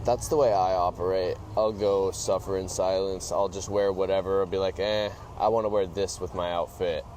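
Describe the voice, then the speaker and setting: A man's voice: low voice, level tone, moderate pace, hardly any pauses. Young American man, noisy street ambience. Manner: projecting, loud. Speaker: podcast guest. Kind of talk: casual chat. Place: outdoors in public at a busy drive coffee stand. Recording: noisy outdoor urban drive-through ambience. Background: outdoor ambience and vehicle noise.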